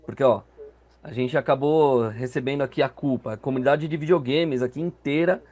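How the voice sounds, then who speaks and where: A man's voice: mid-range voice, brisk, a little mellow. A Brazilian man speaking casually as a podcast guest on a video call, sharing his closing thoughts. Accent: Brazilian Portuguese. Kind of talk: casual discussion remarks.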